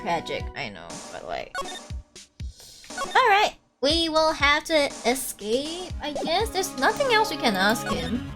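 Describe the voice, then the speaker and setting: High-pitched woman chatting through a game. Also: huge pitch swings, slow pace, a bit bright. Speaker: gamer playing and voicing the dialogue. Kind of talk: casual let's-play chat. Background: game music.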